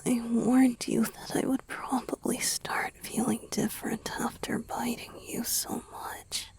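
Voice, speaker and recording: A woman playing a lovestruck male vampire boyfriend in a romantic ASMR roleplay, whispering a slow, halting confession full of tormented longing. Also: fairly high pitch, flat delivery, a little mellow. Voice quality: breathy whisper.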